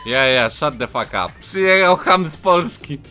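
A bright, lively male streamer voice that jumps around in pitch as he plays. He shouts and curses at strangers in an online game, mocking them in rough English. Faint music sits under his chatter. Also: measured pace. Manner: shouting, swearing, mocking other players in broken English. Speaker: gaming streamer. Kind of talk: loud, profane live gameplay commentary.

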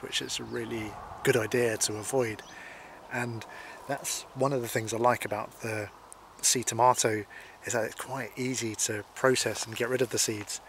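A man in his forties from Scotland, calmly explaining wild plants as a foraging instructor, speaking to camera outdoors by hedges. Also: mid-range voice. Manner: calm, explanatory, unhurried. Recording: faint outdoor noise.

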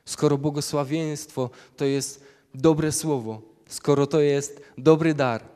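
A man's voice: fairly high pitch, fairly even intonation, takes it slowly, warm tone. A man preaching a sermon, reading Bible passages aloud and explaining them verse by verse. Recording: long hall reverb.

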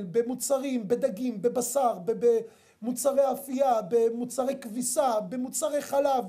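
A man's voice: extremely high pitch, mellow. A man who is a rabbi, giving an emphatic sermon with stories and rhetorical questions, speaking directly to his listeners. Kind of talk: sermon with storytelling.

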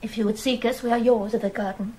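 Actress as a gracious queen in a radio play: mellow, fairly high, quick and courteous. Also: fairly even intonation, a little hiss or hum, close to an everyday voice. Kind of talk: radio drama acting.

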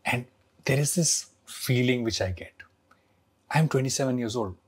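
A man in his forties telling a personal story to camera in a reflective, emphatic way, his throat a little husky. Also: medium pitch, moderate pace. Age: 40s. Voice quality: slightly husky, throat clearing. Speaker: founder sharing life lessons.

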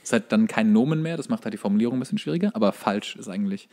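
Low-pitched wry man chatting. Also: lively intonation, rapid-fire, vocal fry, a little mellow. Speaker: podcast co-host. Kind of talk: casual comedic chat.

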